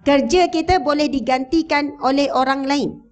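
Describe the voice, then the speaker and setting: A Malaysian Malay woman, a religious teacher with a high voice, gives a religious talk to an audience in an indoor mosque hall. She speaks at a moderate pace, animated and putting questions to her listeners, while standing with a handheld or lapel microphone.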